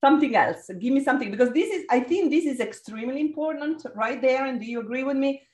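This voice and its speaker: Italian-accented woman facilitating over a video call, lively and encouraging, roomy echo. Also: high voice, quick pace. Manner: energetic, encouraging, calls on participants. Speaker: workshop facilitator. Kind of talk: leading a group video call.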